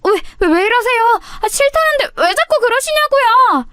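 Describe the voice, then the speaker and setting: A woman's voice: extremely high pitch, lively intonation, normal speed, sharp tone, no echo, clean studio sound, pitched above the performer's own voice, full character voice. A woman voicing a frightened teenage schoolgirl who speaks in a timid, pleading way.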